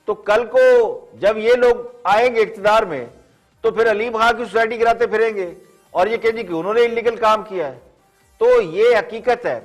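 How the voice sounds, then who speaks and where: A man delivers sharp, sardonic TV commentary as the show's host. His voice sits notably high for a man, and he stacks proverbs and lists to drive his point home. Faint music runs underneath. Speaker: talk show host. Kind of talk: opinion commentary on TV.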